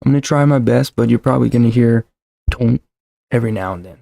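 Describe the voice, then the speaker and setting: A man's voice: mid-range voice, fast, gravelly, dark tone, no room sound. A man in his thirties hosting a casual livestream, rambling and self-deprecating, full of fillers and restarts, talking into a desk mic at home. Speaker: livestream host. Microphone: desk mic with shock mount.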